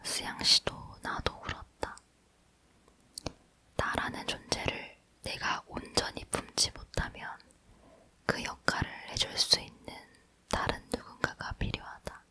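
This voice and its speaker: A woman's voice: measured pace, pushed and bright, no echo. A woman reading a book aloud as ASMR, leaning in to whisper closely and breathily into a near microphone. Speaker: ASMR reader.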